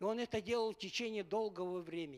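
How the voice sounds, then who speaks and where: A man is speaking. His pace is moderate. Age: 60s. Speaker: pastor. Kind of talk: sermon.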